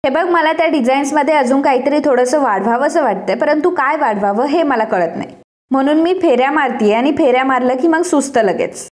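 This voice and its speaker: A woman voicing a stubborn, sharp-tongued young woman designer in a retold TV serial, speaking defiantly. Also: high-pitched, brisk, close to an everyday voice.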